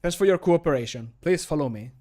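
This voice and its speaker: A man performing a fantasy game guard, courteous and measured, with quiet authority. His voice sits a little high as he delivers short, firm arrest lines. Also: animated, lightly acted. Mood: polite, firm. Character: polite, firm male guard making an arrest. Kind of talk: game voice line takes.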